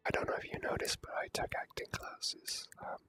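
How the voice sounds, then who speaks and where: A man whispering ASMR commentary as he plays a game, in a hesitant, self-deprecating way. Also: brisk. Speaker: ASMR gamer.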